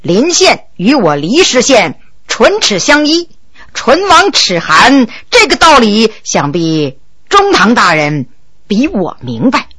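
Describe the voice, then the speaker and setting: A woman voicing a bold, blunt low-ranking male county magistrate who talks in a cool, sly, deliberate way. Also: big pitch swings, sharp tone, husky, full character voice.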